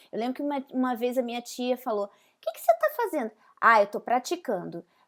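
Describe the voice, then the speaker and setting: Lively intonation marks the speech of a woman whose pitch is high. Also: very clean recording, silent background. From Brazil, Rio de Janeiro. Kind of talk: casual devotional talk to camera. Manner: halting, many restarts.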